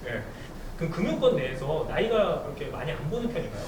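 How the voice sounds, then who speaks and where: Male emcee, high and very animated, echoey hall, distant noisy pickup. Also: quick pace. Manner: upbeat, reads listener questions aloud. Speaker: host. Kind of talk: hosting a talk concert.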